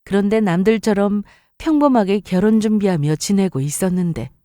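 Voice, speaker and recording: A woman's voice: mid-range voice, animated, normal speed, warm tone, no echo, clean studio sound. A woman reading a scripted first-person story as a narrator.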